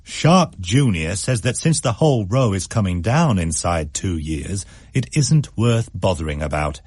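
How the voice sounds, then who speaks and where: A man reading a radio story, voicing a middle-aged father who grumbles in a low, sardonic way. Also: animated, measured pace, a little mellow, slightly rough, no room sound, clean studio sound, full character voice. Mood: grumbling.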